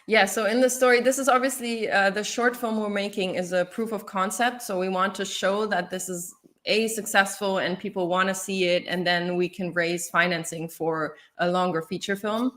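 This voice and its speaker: A woman's voice: medium pitch, moderate pace. A woman from the Philippines, an actor and filmmaker, chatting candidly with a lot of laughter in an interview over a video call. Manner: laughs often, animated and candid. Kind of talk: casual interview chat.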